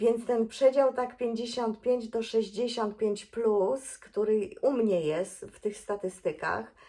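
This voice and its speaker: A woman's dark, mellow voice at a very slow pace. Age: 60s. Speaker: knitting vlogger. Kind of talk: casual vlog talk. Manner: hesitant, many fillers.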